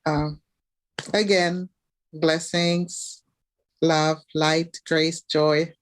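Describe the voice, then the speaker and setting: Lady on a video call, deep-ish voice, talks real slow, lots of uhs. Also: level tone. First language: French. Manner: gentle, hesitant, with many fillers. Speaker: guest elder. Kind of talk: online broadcast talk, offering blessings.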